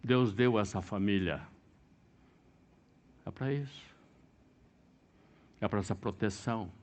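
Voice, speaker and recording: A middle-aged man from Brazil preaching a sermon, swinging between sudden loud, high bursts and quiet, low asides. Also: takes it slowly. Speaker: pastor.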